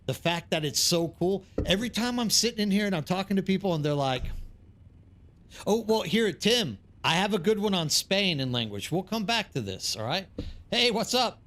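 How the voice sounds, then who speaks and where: A man from East Texas with an American accent chats casually and ramblingly with viewers while he livestreams a game. His voice is high-pitched, animated, and fairly bright, and he talks at a moderate pace.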